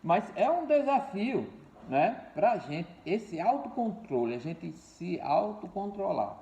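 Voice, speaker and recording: An older man preaches to his congregation, repeating key words and calling them brothers. His voice sits a little high but sounds mellow and dark. The recording is roomy and dull, like lo-fi audio from an echoing church. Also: sing-song, takes it slowly, creaky. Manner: repeats key words, addresses listeners as dear ones and brothers. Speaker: pastor. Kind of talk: sermon. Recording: echoey room, dull lo-fi sound.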